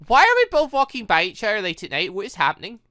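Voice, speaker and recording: Male gaming commentator, lively swooping pitch, bright tone, rambling casual asides, dry recording. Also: fast talker, dry recording. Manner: rambling, animated, stammering asides. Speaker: gaming video host. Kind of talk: casual game playthrough commentary, reading dialogue aloud.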